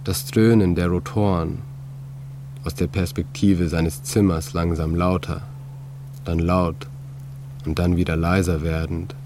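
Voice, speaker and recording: A man reading a literary story in a calm, measured way, with many pauses. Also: deep voice. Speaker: narrator. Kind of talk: scripted literary narration. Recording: steady hum and drone under the voice.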